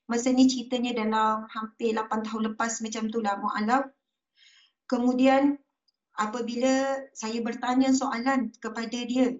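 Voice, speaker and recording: High-voiced Malaysian woman preaching earnestly. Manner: earnest storytelling, repeats phrases for emphasis. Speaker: religious teacher. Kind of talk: religious talk. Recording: muffled audio from a distance.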